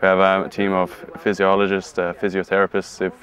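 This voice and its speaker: A man's voice: low-pitched, completely flat delivery, fairly quick, a crowd in the background. A young man talking in an interview as a student athlete. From Wexford, Ireland. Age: young adult. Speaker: student hurler. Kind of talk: interview talk.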